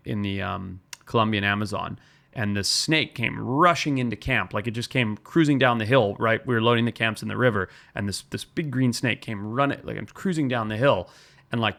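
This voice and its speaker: Gravelly man telling wildlife stories. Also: on the low side, normal speed, a bit bright. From Zimbabwe. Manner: storytelling, earnest and explanatory. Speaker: wildlife biologist guest. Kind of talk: podcast interview talk.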